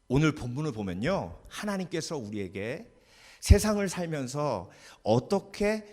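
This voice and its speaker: Lively Korean pastor preaching in a reverberant hall. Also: male voice, medium pitch. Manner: lively preaching with many rhetorical questions to the congregation. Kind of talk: sermon. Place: church sanctuary. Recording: long church hall reverb.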